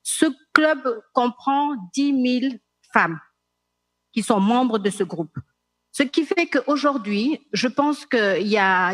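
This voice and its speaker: A woman with a Senegalese accent giving measured, explanatory remarks as a panelist in a discussion. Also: on the high side, dry recording.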